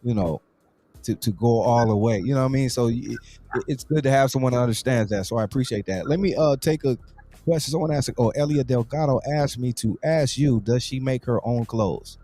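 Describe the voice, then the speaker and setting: Casting: male talk show host, average pitch, informal and slangy, repeats himself while shaping questions. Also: brisk, dark tone. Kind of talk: casual interview chat.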